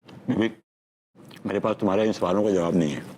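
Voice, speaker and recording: An actor playing a lazy husband who breezily dodges blame, slipping into English. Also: male voice, deep voice, fairly quick, a little mellow, breathy edge. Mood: breezy.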